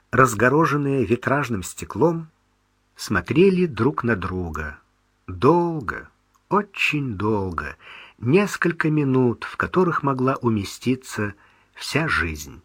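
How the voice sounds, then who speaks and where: A man narrating a novel in a slow, expressive manner. His voice is bright, and his intonation moves widely. The recording is close and dry. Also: medium pitch, slightly rough, no echo. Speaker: audiobook narrator. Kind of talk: scripted narration.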